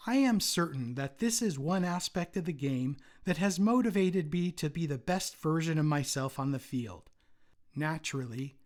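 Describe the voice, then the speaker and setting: A man, a retired umpire, giving a formal prepared presentation at a convention in a measured, read-aloud way. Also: on the high side, darkish tone.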